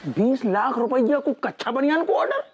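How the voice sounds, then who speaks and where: An actor playing a jovial small-town police inspector, drawling rustic banter. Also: male voice, very high-pitched, lively intonation, moderate pace, muffled recording, slight background noise. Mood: jovial teasing.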